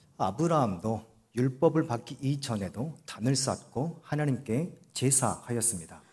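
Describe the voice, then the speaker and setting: The voice is somewhat breathy, with a dark, mellow tone and ordinary pitch variation. The background is quiet. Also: man. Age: 70s. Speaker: missionary preacher. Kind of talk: sermon with consecutive interpretation. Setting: church. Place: church. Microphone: podium.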